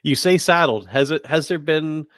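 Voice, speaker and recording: A man hosting a casual interview, speaking haltingly and rephrasing his thoughts and questions as he goes. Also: on the high side, a bit bright, no echo, clean studio sound. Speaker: podcast host, interviewer.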